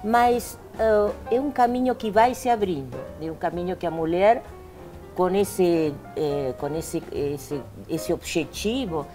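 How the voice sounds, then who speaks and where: A woman's voice: measured pace, faint music behind. Older woman with an Argentine accent. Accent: Argentine Spanish. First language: Spanish. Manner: reflective, laughing at herself, pitch leaping up when animated. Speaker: architect, panel guest. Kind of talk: casual talk-show conversation. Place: living-room studio set.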